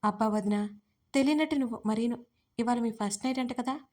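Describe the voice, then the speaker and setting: A woman's voice: fairly high pitch, fairly even intonation, fairly quick, darkish tone, lightly acted. A woman voicing a cheeky, teasing young woman, the groom's playful sister, in a romance audio story.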